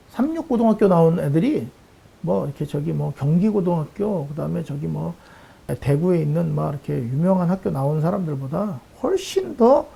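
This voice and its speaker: Male pastor, Bible lesson sermon, gravelly husky voice, lively swinging pitch, acts out quoted lines.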